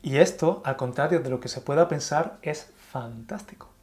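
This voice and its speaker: A man from Andalusia, speaking with an Andalusian Spanish accent, giving a calm and clearly explained Spanish lesson to learners. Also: on the high side, moderate pace. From Andalusia, Spain. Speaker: Spanish teacher. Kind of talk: scripted online Spanish lesson.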